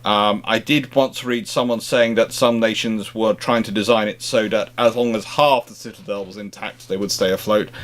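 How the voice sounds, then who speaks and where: A man's voice: fairly low pitch, fairly bright tone. A man giving expert commentary in a naval history discussion, often reworking his phrases as he goes.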